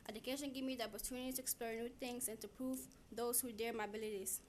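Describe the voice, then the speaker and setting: A woman's voice: on the high side, steady tone, quick pace, a little mellow, slight background noise. A teenage girl from Somalia, giving an earnest prepared speech as a student speaker, sometimes repeating herself when stuck. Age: teens. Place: city hall chamber.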